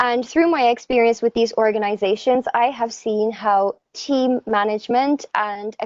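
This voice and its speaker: At a moderate pace, a woman with an Irish accent speaks in a fairly high pitch with ordinary pitch variation. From Ireland. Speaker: veterinary student, committee chair candidate. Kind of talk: candidate speech in online election. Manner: formal.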